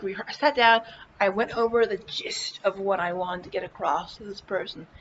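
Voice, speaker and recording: A woman chatting casually in a personal vlog, goofy and playful, swearing freely and haltingly repeating words as she searches for them. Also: medium pitch, lo-fi sound, slight background noise. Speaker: vlog host. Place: indoors, lying in a hospital bed with a fan running.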